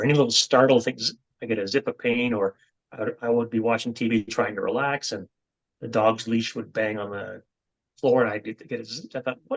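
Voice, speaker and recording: The pitch of this man's voice is medium. His intonation holds fairly even. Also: fairly quick pace. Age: 60s. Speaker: chronic pain patient sharing recovery story. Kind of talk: interview testimony. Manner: halting, repetitive.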